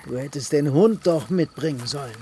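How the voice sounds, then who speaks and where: A man's voice: a little high, fairly quick, dark tone, slight background noise, close to an everyday voice. An actor playing a laconic, matter-of-fact hunter in a radio crime drama, a man heard at some distance. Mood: laconic, grim.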